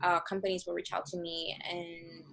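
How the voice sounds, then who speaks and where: A woman's voice: on the low side, flat delivery, moderate pace, gravelly, a bit bright, low-quality recording. A young woman from Mexico chatting casually about her job search as a coaching client, filling her talk with "like" and "um". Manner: chatty, lots of "like" and "um" fillers. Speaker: coaching client giving a testimonial. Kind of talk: casual interview answers.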